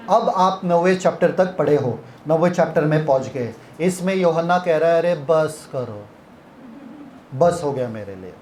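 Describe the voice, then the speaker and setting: A man's voice: fairly high pitch, darkish tone. A man leading a Bible retreat session, teaching interactively and quizzing listeners with repeated questions. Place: retreat hall. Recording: echoey hall.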